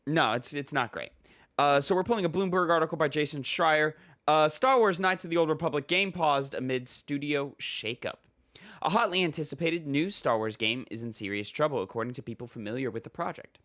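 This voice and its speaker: A man's voice: a little high, expressive, brisk, fairly bright tone, no room sound, studio quality. A man hosting a casual gaming podcast with a slightly stuffy nose, rambling with fillers and reading news articles aloud. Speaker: podcast host.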